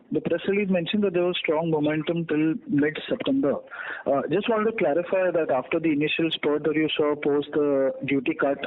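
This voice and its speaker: A man with an Indian accent, a financial analyst politely asking questions on a business call over a tinny phone line. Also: a little high.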